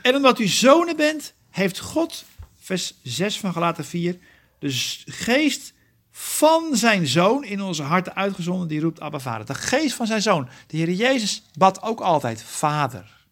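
A man with a somewhat higher voice teaches a small Bible study group. He works through the text verse by verse, correcting himself as he goes. He keeps turning to his listeners with questions to check they follow. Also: very animated, unhurried, a bit bright. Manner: earnest, often asks the group questions; explains verse by verse, self-correcting.

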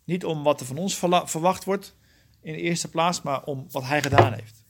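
A man with a somewhat higher voice teaches a small Bible study group. He works through the text verse by verse, correcting himself as he goes. He keeps turning to his listeners with questions to check they follow. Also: normal speed, slight background noise. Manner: earnest, often asks the group questions; explains verse by verse, self-correcting.

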